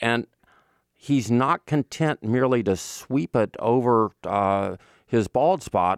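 Very clean recording, silent background: a man speaks in a normal speaking voice at medium pitch with ordinary pitch variation and a dry, close sound with no echo. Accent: American. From US South, Atlanta, Georgia. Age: 60s. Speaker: author and journalist. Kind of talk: interview.

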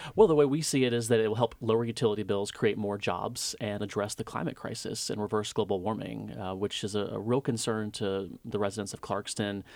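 This man has a plain, everyday voice with a fairly low pitch and fairly even intonation. He speaks at a fairly quick pace with hardly any pauses. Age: 30s. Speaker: city mayor. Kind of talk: radio interview. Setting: studio.

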